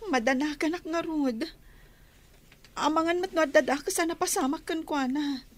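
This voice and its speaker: A woman's voice: high-pitched, moderate pace, lightly acted. A young woman with an Ilocano accent, playing an anxious, earnest girl who cooks for her friends, in a radio drama.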